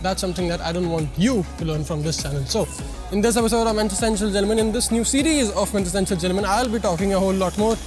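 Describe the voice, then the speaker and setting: High-pitched, fast-talking man with Bengali accent. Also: fairly even intonation, music in the background. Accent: Bengali Indian. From India. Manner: emphatic, repetitive phrasing. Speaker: YouTube channel host. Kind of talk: motivational vlog talk to viewers.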